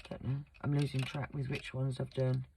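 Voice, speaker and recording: A woman with a croaky voice from a sore throat, chatting casually with lots of ums as she demonstrates a crafting project on her channel. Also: extremely low pitch, normal speed, noisy background. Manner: relaxed, chatty, many ums.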